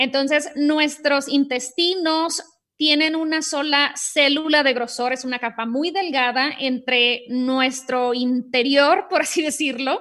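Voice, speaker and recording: A woman's high, bright and sharp voice, very slow, with fairly even intonation. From Mexico, Sonora. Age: 40s. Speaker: health coach. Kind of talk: podcast interview.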